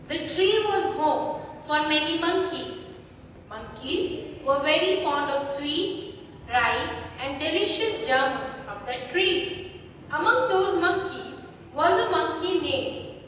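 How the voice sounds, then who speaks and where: A woman narrating a children's story video in a measured, plain storytelling manner. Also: high voice, animated, a bit bright. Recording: echoey room, mic far off, faint noise.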